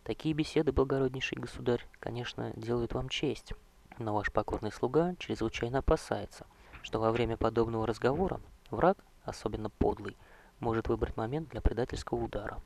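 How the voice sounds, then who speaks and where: A courtly vampire elder gives advice in elaborate, excessively polite phrases, as a man reads him. The gravelly voice stays at a middling male pitch and turns rather soft. The performance is a storybook reading of a wry, fawning servant of the night. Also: brisk. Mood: ironically courteous. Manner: ornate, exaggeratedly polite speech.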